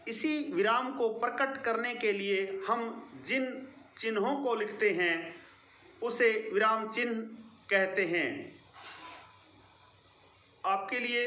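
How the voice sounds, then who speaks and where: A male teacher gives a grammar lesson to children with a fairly high, bright voice. He speaks slowly and deliberately and leans on key words. The room around him is echoey. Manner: slow, deliberate explaining with stressed key words. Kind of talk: online video lesson for schoolchildren.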